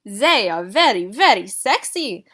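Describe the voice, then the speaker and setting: A loud, excitable seamstress with a strong French accent, played by a woman reading aloud. She scolds and fusses dramatically. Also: mid-range voice, measured pace.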